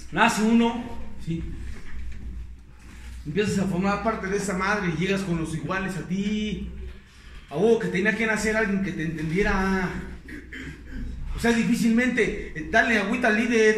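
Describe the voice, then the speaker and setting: A man's voice: high voice, normal speed, long pauses, fairly bright tone. A Mexican man giving a crude, joking group testimony at a recovery meeting, profane and rambling, often laughing and speaking straight to his listeners. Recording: echoey room, mic far off, faint noise.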